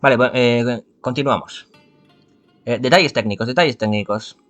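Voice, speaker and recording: A man from playing a visual novel, reading the text aloud and thinking out loud between choices. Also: medium pitch, faint music behind. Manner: chatty, thinks aloud, halting restarts. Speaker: let's-play host.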